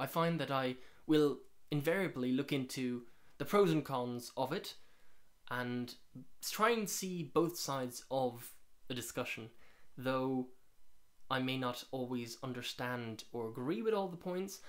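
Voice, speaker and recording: With an Irish accent, a man talks at a fairly slow pace with long, frequent pauses, medium pitch and ordinary pitch variation. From Ireland. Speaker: book YouTuber. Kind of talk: casual talk to camera.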